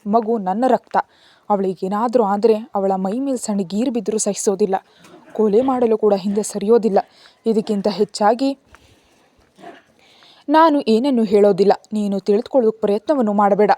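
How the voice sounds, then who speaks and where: A guarded, commanding young father, as a woman storyteller reads him. The voice is curt and bossy, low in tone with a mellow, dark colour. It sounds dry and close, as in a storybook reading. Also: normal speed, no room sound, close to an everyday voice. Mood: stern.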